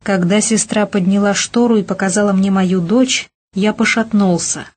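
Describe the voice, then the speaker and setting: A woman reading a novel aloud as an audiobook narrator, steady and measured. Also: mid-range voice, husky. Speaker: audiobook reader. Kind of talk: scripted narration.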